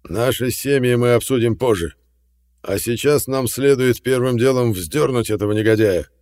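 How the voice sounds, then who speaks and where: Man doing a loud, vengeful clan patriarch. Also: mid-range voice, normal speed, in a large hall, voice pushed up, natural voice. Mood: angry. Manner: loud, jeering shouting. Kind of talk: audiobook reading.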